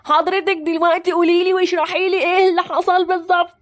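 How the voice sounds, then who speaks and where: A woman's voice: very high voice, flat delivery, fast talker. A woman voicing a stern, old-fashioned male schoolteacher who speaks with an Egyptian accent and a blustering, strict manner in a cartoon. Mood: defensive. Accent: Egyptian Arabic.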